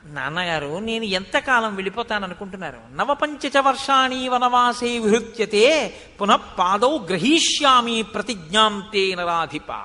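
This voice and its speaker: A young prince, dutiful and calm, firmly turning down his father's offer, as a preacher retells him. The voice is high and bright, with long reverb from the hall.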